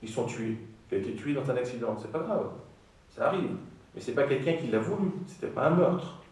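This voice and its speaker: A man gives a lecture in a large auditorium, pressing his points and firing rhetorical questions at the audience. His voice sits at a middle pitch. It rings through the hall, picked up from some distance. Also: animated, brisk, darkish tone. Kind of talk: public lecture. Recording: echoey auditorium from far off.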